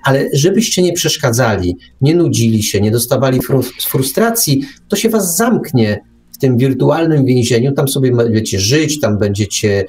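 A man's voice: medium pitch, expressive, normal speed, few pauses, darkish tone. A man hosting an opinionated radio discussion, putting rhetorical questions straight to his listeners. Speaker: talk show host. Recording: music under the talk. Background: music.

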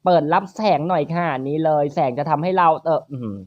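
A gaming channel host, giving playful, crude let's-play commentary in quick teasing banter. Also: dry recording, dull audio. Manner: crude, teasing, rapid banter with frequent high laughs.

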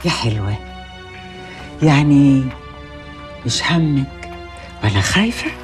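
An actress playing a scheming, vengeful middle-aged village matriarch, gloating and sly. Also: female voice, a bass voice, very animated, takes it slowly, full character voice. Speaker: mother-in-law. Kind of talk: TV drama acting. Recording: faint music score behind.

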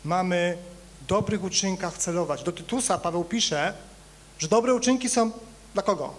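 A male pastor preaching a sermon in a church, animated and conversational, swinging between loud emphatic rises and quiet low asides while joking with the congregation. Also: normal speed. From Poland. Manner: conversational, addresses congregation directly with humor.

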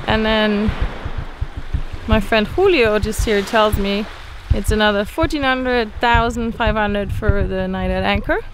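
A woman's voice: mid-range voice, a little slow. A woman in her thirties giving casual travel narration as a vlog host. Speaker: sailing vlogger and host. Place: outdoors on a tropical shore. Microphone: handheld camera at arm's length. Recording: noisy outdoor recording with water and engine.

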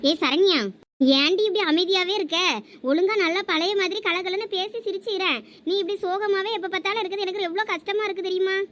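A woman playing a high, chatty village girl. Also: steady tone, a bit bright. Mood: coaxing. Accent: Thoothukudi Tamil. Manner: quick, bossy, teasing. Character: chatty teasing young village woman, cousin. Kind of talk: comedy skit acting.

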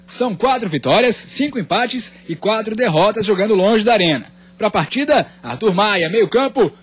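High husky guy reading sports news, upbeat. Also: fairly bright tone. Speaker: sports reporter. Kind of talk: scripted news narration.

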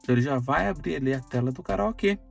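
A man's voice: a little high, animated, rapid-fire, creaky, faint music behind. A man with a Brazilian Portuguese accent giving a casual, chatty how-to demo from inside a parked car, filling his talk with "olha" and "tá?". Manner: chatty, explanatory, frequent "olha" and "tá?". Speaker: car channel host.

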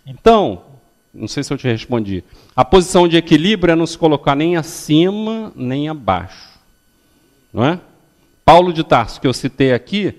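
An older man standing in a lecture hall giving a public religious talk, teaching step by step and often checking that the audience follows. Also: on the high side. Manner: didactic, ends phrases with checking questions; stands and gestures while speaking. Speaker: lecturer at a spiritist center.

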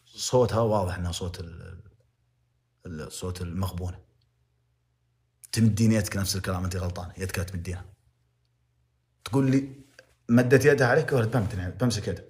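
Saudi man, young adult, lower voice, rapid speech, preachy livestream commentary. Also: a little mellow. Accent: Saudi Arabic. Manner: impassioned moralizing, repeats phrases for emphasis.

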